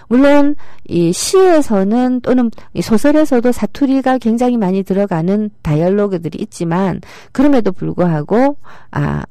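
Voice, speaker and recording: A woman's voice: mid-range voice, mellow, no room sound, studio quality. A middle-aged woman giving a public lecture, explaining with rhetorical questions and acting out quoted speech.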